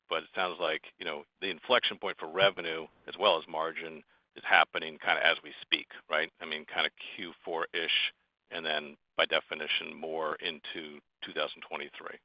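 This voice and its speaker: A man's voice: very deep voice, no echo. A man calling in as an investor to ask questions on an earnings call, with casual, rambling phrasing and slightly muffled phone sound. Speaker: investor caller asking questions. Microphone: telephone.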